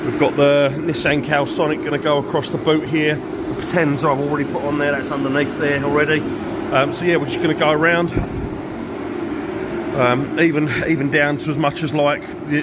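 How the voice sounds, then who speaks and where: Man shouting in a cold garage. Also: fairly high pitch, flat delivery, fairly quick. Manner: raised, shouting over heater noise. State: croaky voice from flu. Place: cold garage with heater running.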